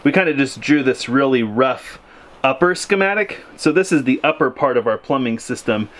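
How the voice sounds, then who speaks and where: A man in his thirties walks through his homestead's water system in a casual, step-by-step way, recorded outdoors in the snow by a camera a few feet away. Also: medium pitch. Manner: practical, plainspoken, explains step by step. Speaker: homesteading vlogger. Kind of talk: casual explainer vlog.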